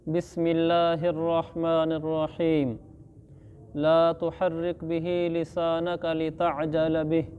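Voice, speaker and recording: A man giving a religious lesson on Quran commentary, reciting verses slowly and then explaining them plainly. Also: sits high, big-room sound, phone-quality sound, a little hiss or hum. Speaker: Islamic scholar teaching Quran commentary.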